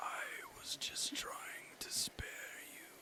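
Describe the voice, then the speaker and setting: Over loud background noise, someone whispers in a put-on character voice. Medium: read story. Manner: desperate.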